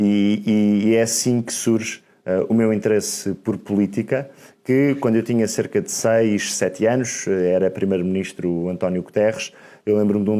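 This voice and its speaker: A man speaks at a moderate pace with a fairly low pitch, a dark, mellow tone and fairly even intonation. The recording is very clean, with a silent background. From Portugal, Oeiras near Lisbon. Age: 20s. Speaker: politician, member of parliament. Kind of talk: podcast interview.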